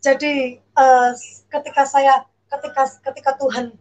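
High-voiced woman giving emotional testimony. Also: level tone, a little mellow, lo-fi sound. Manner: earnest, emotional, halting with fillers. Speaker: testimony guest. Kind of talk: personal conversion testimony.

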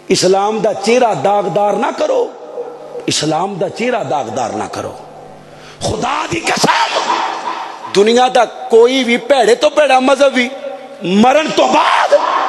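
A man in his thirties with a Punjabi accent, preaching an impassioned sermon into a close mic, often shouting and calling on the crowd to answer. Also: very high voice. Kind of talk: fiery sermon. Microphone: stand mic close up.

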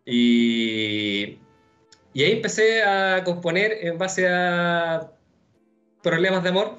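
A young man with a Chilean accent answering interview questions on a video call from home, relaxed and rambling with many fillers. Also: high-pitched, takes it slowly. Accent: Chilean Spanish. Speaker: musician guest. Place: room at home. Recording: dull lo-fi video call audio with faint music.

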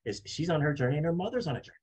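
Forties guy on a video call, husky voice, punchy and emphatic, coach vibes. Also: a little high, very fast. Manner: energetic, emphatic, talks with his hands. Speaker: money coach, guest. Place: home office, indoors. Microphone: video call webcam.

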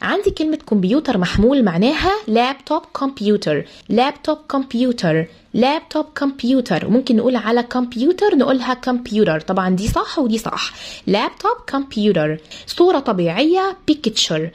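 A woman with an Egyptian Arabic accent, an English teacher who explains words to pupils and repeats each one slowly, spelling out how the sounds are said. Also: on the high side, very animated, a little mellow. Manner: addresses pupils as "kids". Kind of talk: vocabulary lesson for pupils.

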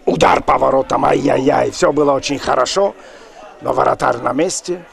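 Calling a football match live, this man's voice is medium in pitch with a rough, creaky grain. He follows the play with excited exclamations and long, drawn-out cries, while some chatter goes on in the background.

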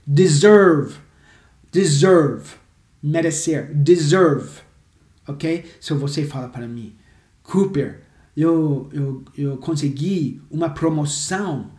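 A native English-speaking man teaches a language lesson, drilling each example phrase over and over at an unhurried pace. His voice sits fairly high for a man. The room has a noticeable echo. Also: warm tone. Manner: slow, emphatic, repeats example phrases for drill. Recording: echoey room.

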